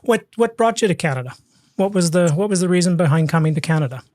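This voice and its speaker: A man hosting an interview, chatty and halting, often restarting his sentences. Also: high voice, expressive, darkish tone, dry recording. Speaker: podcast host. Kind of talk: interview conversation.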